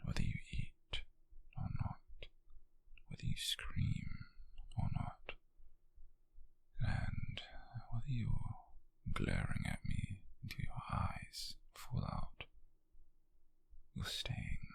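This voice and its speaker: A British man playing a wealthy, possessive nobleman who is coolly controlling yet tender, in an intimate ASMR roleplay, with slow, condescending endearments in a husky near-whisper. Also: lowish voice, wildly swooping pitch, no echo, exaggerated voice. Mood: cold, insistent.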